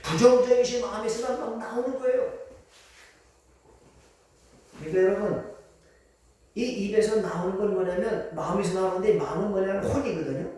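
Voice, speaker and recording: A man's voice: high voice, brisk, pauses often, mellow. A man preaching a sermon as pastor, emphatic and firing rhetorical questions at the congregation. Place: church sanctuary. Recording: very echoey church hall, from far off.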